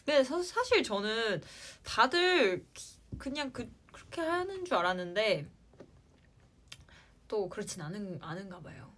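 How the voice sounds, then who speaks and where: A young woman in her twenties hosting a casual livestream, answering fans in a chatty way and trailing off softly at the ends of her lines. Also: on the high side, big pitch swings, a little slow, slight background noise. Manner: chatty, playful sound words, trails off at line ends. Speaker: idol livestream host.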